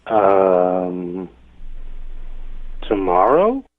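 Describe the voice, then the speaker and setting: A man's voice: sits low, big pitch swings, extremely slow. A man heard over the phone while at work, puzzled and irritated, pushing back at the caller. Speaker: prank call target. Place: at his workplace. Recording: tinny dry phone line.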